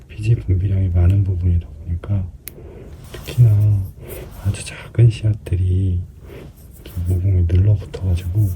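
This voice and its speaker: Male, low-pitched clinician talking through a procedure, casual and explanatory, softly murmured in places, noticeable background noise. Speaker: skin clinic practitioner narrating an extraction procedure. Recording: clearly noisy room recording.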